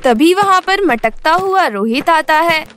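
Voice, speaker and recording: Woman narrating a kids cartoon story, very high voice, soft music under. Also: lively intonation, unhurried.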